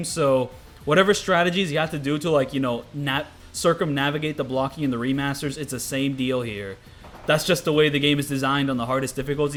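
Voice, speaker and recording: Music plays behind a man who speaks at a very fast pace. His pitch is fairly high and his intonation fairly even. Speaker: gaming YouTuber. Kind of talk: gameplay commentary. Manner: casual, filler-heavy.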